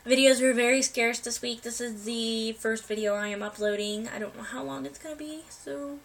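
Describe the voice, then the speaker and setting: Young woman vlogger, bright voice, recovering from a cold, chatty and meandering. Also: fairly high pitch, fairly even intonation, normal speed, vocal fry. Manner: rambling, many ums and restarts. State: getting over a cold, coughing. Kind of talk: casual life update to viewers.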